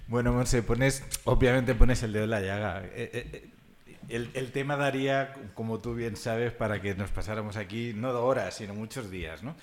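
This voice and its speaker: A man's voice: medium pitch, moderate pace, slight background noise. Guy on a panel, chatty and rambling, keeps tossing in little tag questions and chuckles. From Catalonia. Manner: lively and discursive, with frequent tag questions and chuckles. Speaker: panelist at a book presentation. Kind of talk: conversational academic discussion.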